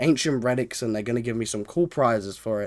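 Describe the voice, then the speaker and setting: Very rapid speech from a man, pitch varying in an ordinary way. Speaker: gaming YouTuber. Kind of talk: game review talk to camera.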